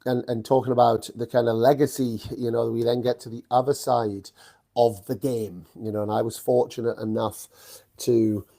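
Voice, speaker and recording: A man's voice: mid-range voice, level tone, moderate pace, creaky, dark tone. A man with a mild northeastern English accent, a tennis podcast host telling stories with enthusiasm and plenty of fillers. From northeast England. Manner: enthusiastic storytelling with frequent fillers. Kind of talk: live podcast chat.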